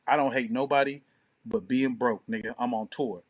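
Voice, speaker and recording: A man's voice: medium pitch, fairly even intonation, moderate pace. Slangy, opinionated man chatting on a podcast. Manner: slangy, opinionated, emphatic talk with heavy profanity. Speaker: podcast co-host and DJ. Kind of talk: casual podcast conversation.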